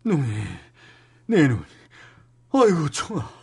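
A man playing a comically grandiose, overjoyed old king with a husky voice in a historical drama skit. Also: on the high side, very animated, slow pace, mellow, full character voice. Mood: overjoyed, wailing.

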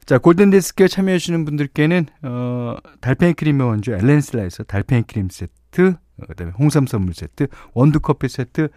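A male radio host who reads listeners' stories and messages in a relaxed, chatty way, joking lightly between readings. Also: mid-range voice, a little fast, few pauses, no echo, studio quality.

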